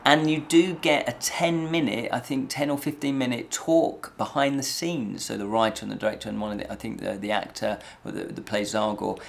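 A man's voice: on the low side, gravelly. A middle-aged man giving a casual, rambling review to camera, often repeating and rephrasing himself. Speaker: host of a fantasy review show. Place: small indoor set with draped backdrop.

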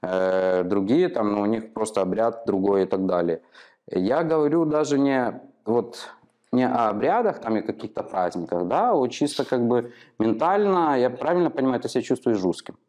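A man in his thirties, whose first language is Ukrainian, interviews someone from a small office, his voice captured by a clip-on lapel mic. His medium-pitched voice is expressive and darkish, at a normal speed, as he probes with lengthy explanations.

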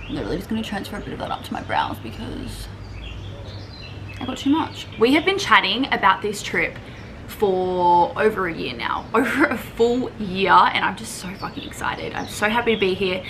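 A young woman in her twenties chatting to her viewers in a casual travel vlog, bubbly and fast to laugh, speaking to a camera on a balcony. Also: mid-range voice, very animated, background noise. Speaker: vlogger. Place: hotel balcony. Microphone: camera on a tripod at table.

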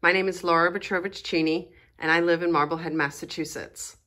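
A woman's voice: lowish voice, fairly even intonation, fairly quick, pushed and bright. A middle-aged woman with a Philadelphia American accent, chattily explaining things as she gives an informal studio tour. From Philadelphia, United States. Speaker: artist and studio tour host.

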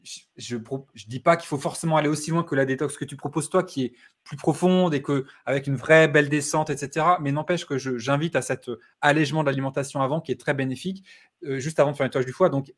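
A man's voice: a little high, quick pace. A man in his thirties hosting an interview over a video call, with friendly fillers and hesitant restarts. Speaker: host. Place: home room with bookshelves.

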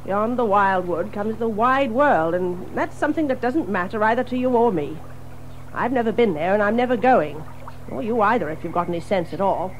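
A woman's voice: mid-range voice, animated, normal speed, slight background noise, lightly acted, low-quality recording. A woman playing a chatty, friendly water rat in a children's audio drama, hearty and exclamatory. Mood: confiding. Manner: hearty, exclamatory, chuckling and hesitating.

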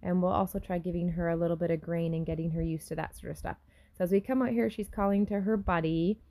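Young woman horse trainer, mellow lower voice, relaxed casual voice-over. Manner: relaxed, explanatory, many fillers and restarts. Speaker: horse trainer and channel host. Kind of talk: casual voice-over narration of farm footage.

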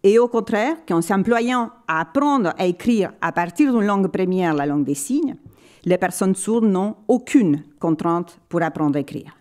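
A woman speaking at a library conference, giving an academic lecture in a measured, explanatory way and pausing often to search for words. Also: medium pitch, lively intonation, darkish tone.

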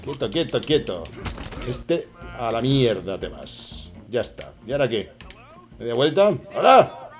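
A man with a Spanish accent giving excitable, swearing live commentary while playing and chatting to viewers. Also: mid-range voice, a little slow, music in the background. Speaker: gaming streamer. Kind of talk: casual live gameplay commentary.

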